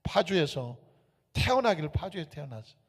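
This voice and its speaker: Animated male pastor preaching in an echoey hall. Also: fairly high pitch, fairly quick, breathy edge. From Gyeonggi Province, raised in Seoul. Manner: animated, mixes regional dialects for humor. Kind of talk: sermon. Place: church sanctuary.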